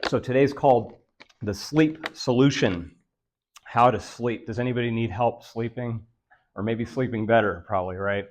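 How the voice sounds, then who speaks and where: A man presenting a health lecture to seniors in a meeting room, his voice raspy and nasal and a bit dry from allergies, talking in a monotone with many fillers. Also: mid-range voice, normal speed. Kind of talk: live lecture to a senior audience.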